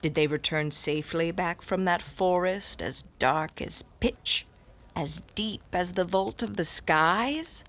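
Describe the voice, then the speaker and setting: An actress narrating and playing a stern, learned woman classicist, with measured, formal, often hushed storytelling. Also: on the low side. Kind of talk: audio drama narration.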